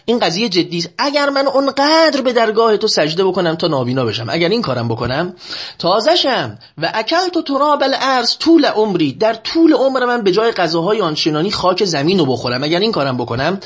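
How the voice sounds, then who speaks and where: Male preacher, husky and high, very lively pitch. Chants prayer lines slowly, explains them faster, keeps urging listeners to pay attention. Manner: slow, drawn-out chanting of Arabic lines, then quicker plain explanation. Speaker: religious lecturer. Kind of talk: sermon explaining Arabic prayers.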